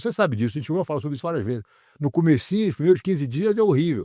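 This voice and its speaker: Very wide pitch swings run through a man's dark, mellow voice. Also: dry, close sound with no echo, very clean recording, silent background. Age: 70s. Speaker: author of a diet book, martial arts family member. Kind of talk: podcast interview. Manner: casual, conversational.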